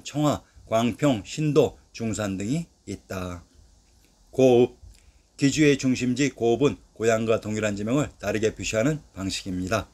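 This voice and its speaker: A man narrating a scripted history lesson, reciting long lists of old place names in a steady, measured way with each list falling at its close. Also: mid-range voice.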